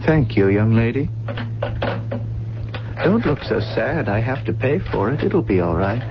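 An actor playing a remorseful man confessing to a crime in a 1970s radio drama, earnest and gently reassuring. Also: mid-range voice, animated, a little slow. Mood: gently consoling. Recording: muffled, noisy old radio broadcast.

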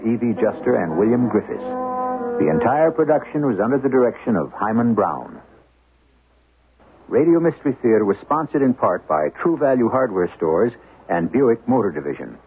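A man hosting a radio mystery series with theatrical scripted narration, wry and philosophical in his deliberate phrasing. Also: lowish voice. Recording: tinny radio broadcast with music.

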